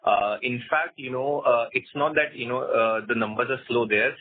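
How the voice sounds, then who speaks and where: A man's voice: mid-range voice, normal speed. A man with an Indian accent speaking assertively as a company executive answering questions on an earnings call, with frequent "you know". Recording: muffled narrow phone conference line.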